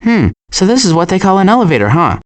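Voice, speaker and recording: An actor voicing a cautious, worrying turtle in an animated video game, with a dry, hesitant and wry delivery. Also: male voice, high-pitched, fast. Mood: anxious, hesitant. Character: cautious, worrying male cartoon turtle, dryly sarcastic.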